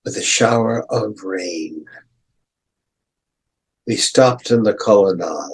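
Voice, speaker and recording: An older male professor giving a close reading of a poem, reciting lines dramatically and breaking into sudden high exclamations. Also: takes it slowly, husky, rough recording.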